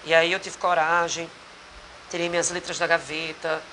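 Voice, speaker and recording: Bright high-voiced Potiguar man. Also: level tone, moderate pace, slight background noise, poor audio. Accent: Potiguar Brazilian Portuguese. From Rio Grande do Norte, Brazil. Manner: earnest, rambling, many restarts. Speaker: singer and actor guest. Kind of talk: casual interview chat. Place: bar.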